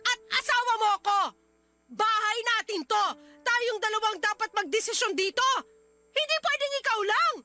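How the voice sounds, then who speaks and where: A woman's voice: very high-pitched, lively intonation, moderate pace, sharp tone, faint music behind, full character voice. A woman playing a young wife in a radio drama, heated and scolding. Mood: angry. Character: angry young wife, sharp and confrontational.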